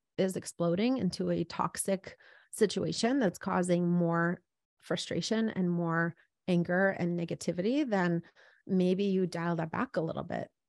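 A woman with an ordinary speaking voice talks at a moderate pace and medium pitch with ordinary pitch variation, recorded dry and close with no echo against a quiet background. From Russia (Moscow), emigrated to US at age 8. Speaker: stepparent coach. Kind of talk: podcast interview.

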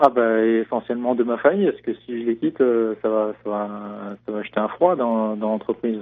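There is a man speaking at medium pitch. His pace is moderate and his pitch varies in an ordinary way. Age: 20s. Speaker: caller, sales manager in family business. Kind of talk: phone-in call. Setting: phone call. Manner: hesitant with fillers.

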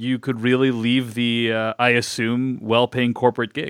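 Here a man has a normal speaking voice and an American accent. He talks at a moderate pace. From US, Taiwanese American family. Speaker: podcast host. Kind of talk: interview conversation.

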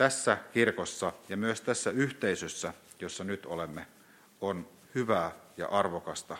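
A man's fairly low voice, fairly slow, with long, frequent pauses and ordinary pitch variation. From northern Finland, Kainuu (Vaala, Oulujärvi). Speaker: pastor. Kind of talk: sermon.

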